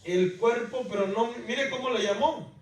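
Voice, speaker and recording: A man's voice: extremely high pitch, moderate pace, slight background noise. A man preaching a sermon with emphasis to his congregation in a church, calling out to them again and again. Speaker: pastor. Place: church in the United States. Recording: very echoey church hall, mic far off.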